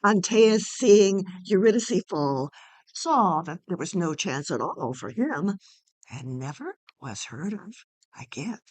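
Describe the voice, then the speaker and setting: A woman reading a play aloud as a deliberate, dramatic narrator, including stage directions. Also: fairly low pitch, very animated. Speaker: playwright reading own play.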